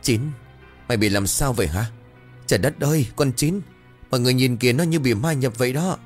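A man's voice: medium pitch, brisk, soft background music, voice pushed up, natural voice. Man voicing a wailing grieving old mother. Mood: frantic. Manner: sobbing, pleading.

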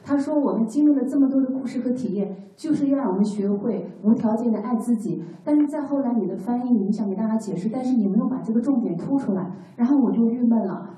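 A woman whose first language is Chinese, a student speaking up in class in an earnest, apologetic, halting way. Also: fairly high pitch, dark tone. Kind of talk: class discussion. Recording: echoey room from far off.

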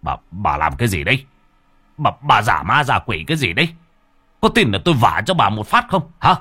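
A man voicing a hot-tempered middle-aged husband in a ghost story, shouting and stammering with rage. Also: lowish voice, sing-song, fairly quick, slightly rough, exaggerated voice. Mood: furious.

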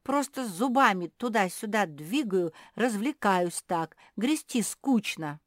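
A woman's voice: medium pitch, animated, takes it slowly, no echo, clean studio sound, pitched above the performer's own voice. A woman voicing a sly, stubborn black female pug with a sweet tooth in a children's audiobook, denying everything with her mouth full.

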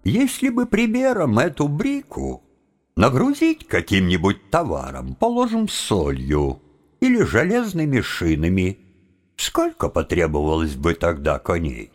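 A sly young seminary student in a radio play, drawls slowly, voice swoops way up and down, kind of sarcastic. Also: male voice, sits low, wildly swooping pitch, full character voice. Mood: chatty. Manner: slow, musing, wryly sarcastic.

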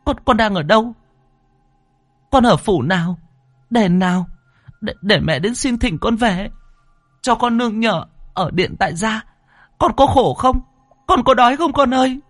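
A man's voice: high voice, lively intonation, normal speed, no room sound, studio quality, faint music behind, voice pushed up. A man voicing a grieving middle-aged mother who works as a spirit medium, stammering and pleading through tears. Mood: pleading, anxious.

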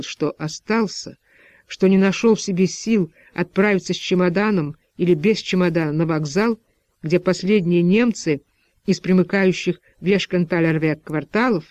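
A man narrating an audiobook in a measured, even literary reading. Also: sits high, no echo, muffled recording.

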